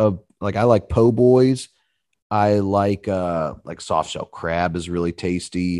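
A very slow man with an American accent, a fairly low pitch, a dark, mellow tone, and ordinary pitch variation. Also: quiet background. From US, Pittsburgh, Pennsylvania. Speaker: fantasy football podcast host. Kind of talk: casual chat.

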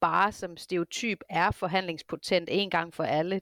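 In a very clean recording with a silent background and a dry, close sound with no echo, a woman speaks at a fairly slow pace and a medium pitch in a plain, everyday voice. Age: 50s. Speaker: nurse and nursing lecturer, researcher. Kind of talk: interview about research.

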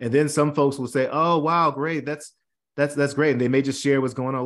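An American accent comes through an unremarkable speaking voice with ordinary pitch variation. The background is quiet. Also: man. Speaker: real estate investor and podcast host. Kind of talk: casual conversational coaching.

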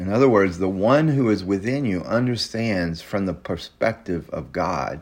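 In a Southern US accent, a man with a fairly low pitch talks at a moderate pace. His intonation is lively and he hardly pauses. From US South, Mississippi. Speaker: Bible teacher. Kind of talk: teaching talk.

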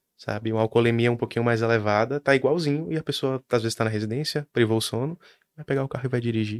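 Very fast speech with ordinary pitch variation, a dry, close sound with no echo, and a very clean recording over a silent background. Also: man, medium pitch for a man. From Brazil, Salvador, Bahia. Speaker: neurologist. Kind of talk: casual interview.

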